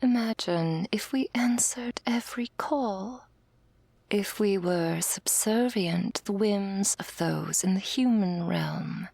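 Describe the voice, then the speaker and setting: Actress as patronising female elder angel for ASMR role-play audio drama; stern, measured, breathy with gravelly fry, dry close sound. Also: medium pitch, a little mellow, no echo, exaggerated voice. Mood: patient, lecturing. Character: stern, condescending female elder angel, commanding mother superior.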